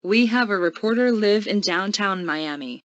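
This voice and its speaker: A woman's voice: medium pitch, animated, moderate pace, no room sound, muffled recording, lightly acted. A woman playing an earnest television news anchor delivering a scripted crisis bulletin. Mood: earnest, urgent. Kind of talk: scripted local TV newscast.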